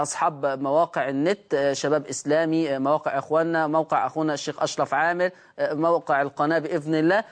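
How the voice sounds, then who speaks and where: A man teaching Quran recitation rules on a TV program. He asks rhetorical questions, answers them, and chants the example words slowly. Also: a little high. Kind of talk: televised recitation lesson.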